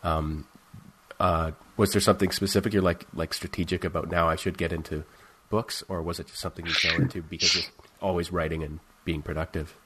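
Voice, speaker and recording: A man hosting an interview, speaking casually with hesitant, halting, roundabout phrasing. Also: low voice, steady tone, a bit bright, slight background noise, rough recording. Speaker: interviewer, host.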